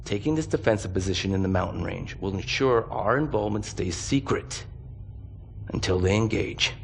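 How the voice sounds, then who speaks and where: An actor playing a grave, commanding mercenary officer in a video game cutscene, speaking in a measured, authoritative way. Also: male voice, lowish voice, animated, gravelly, a little hiss or hum. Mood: stern. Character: grave, commanding male mercenary officer briefing his unit. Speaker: military commander. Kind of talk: dramatic game cutscene acting.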